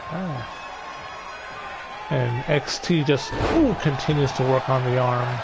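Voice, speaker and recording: A man with a medium pitch and ordinary pitch variation talks very slowly, leaving long, frequent pauses. Music plays in the background, and there is audible room echo. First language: Spanish. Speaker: gaming livestreamer doing wrestling commentary. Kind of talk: live play-by-play commentary on a video game. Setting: livestream. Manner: animated.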